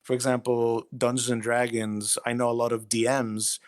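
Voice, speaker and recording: Man, medium pitch, interviewed writer, casual explanatory talk, thoughtful, halting phrasing. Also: flat delivery.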